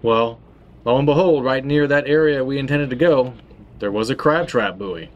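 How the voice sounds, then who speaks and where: This Florida man in his thirties hosts a tackle shop and chats about fishing tactics at normal speed in a mid-range voice, with the highs cut off. It's casual how-to talk, laid-back, with many uh fillers and restarts.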